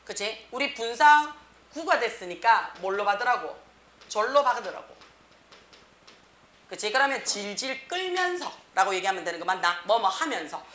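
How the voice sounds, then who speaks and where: Female cram-school teacher, bright and forceful, frequent check-in questions, roomy classroom sound. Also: medium pitch, normal speed. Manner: tag question after nearly every phrase, lively reading. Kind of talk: classroom grammar lecture. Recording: echoey room.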